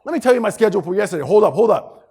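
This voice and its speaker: Man acting out an exasperated, loud, ranting job candidate. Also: sits high, animated, very fast, breathy edge, voice pushed up, full character voice. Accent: American. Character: exasperated, self-pitying, blunt job candidate.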